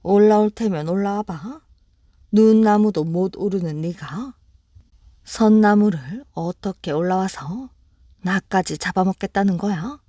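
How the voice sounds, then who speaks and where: A woman's voice: medium pitch, a little slow, dark tone, no echo, studio quality, lightly acted. A woman voicing a mother magpie in a bedtime storybook reading. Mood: defiant. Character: frightened grieving mother magpie.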